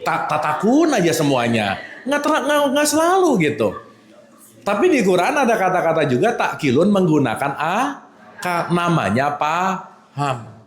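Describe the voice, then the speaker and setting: Lively guy giving a casual religious talk, voice sits a bit high, keeps asking the crowd if they got it, echoey room. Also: normal speed. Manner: animated, teasing, checks in with the audience. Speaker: religious teacher.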